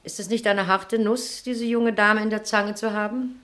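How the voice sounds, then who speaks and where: A woman's voice: medium pitch, fairly even intonation, moderate pace, a bit bright, natural voice. An actress playing an eager-to-please, catty cook in her thirties in a German radio crime drama, insinuating in manner. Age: 30s.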